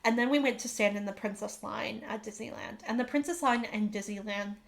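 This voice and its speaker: A young woman with a naturally high-pitched voice, telling stories in a casual podcast chat and laughing along. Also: fairly quick, vocal fry. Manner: storytelling, laughing. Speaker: guest co-host.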